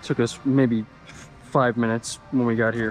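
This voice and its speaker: Faint music sits in the background. A man talks over it. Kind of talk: tutorial. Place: garage. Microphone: phone near.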